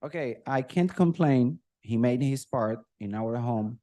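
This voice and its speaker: An emotional middle-aged man from Brazil, whose first language is Portuguese, gives a personal tribute speech with jokes at a birthday celebration. He speaks at a measured pace in a warm, medium-pitched voice with no echo, frequently clearing his throat and making self-deprecating jokes.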